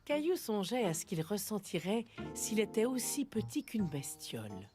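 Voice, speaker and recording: A woman narrating a children's cartoon as a gentle storyteller, in scripted narration. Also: mid-range voice, huge pitch swings, normal speed, over music. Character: gentle storyteller narrating a small boy's day.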